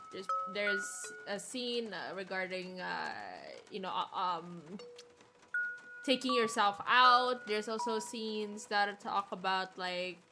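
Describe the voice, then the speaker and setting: A woman livestream host chatting casually in a rambling, hesitant way with halting sentences. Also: medium pitch. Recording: music playing behind the voice. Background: clear background music.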